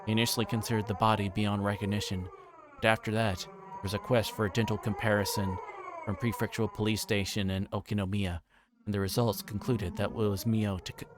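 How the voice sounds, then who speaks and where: A man livestreaming a game, reading aloud and chatting in a halting way, stumbling over words. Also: on the low side, noisy background. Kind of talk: reading a visual novel aloud and chatting with stream viewers. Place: livestream with music playing behind.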